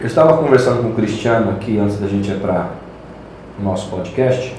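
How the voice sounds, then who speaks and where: A man's voice: fairly low pitch, a little fast, a little mellow, a little hiss or hum. Curious podcast host man, very echoey. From Campo Grande, Brazil. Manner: friendly, curious questioning. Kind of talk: casual interview.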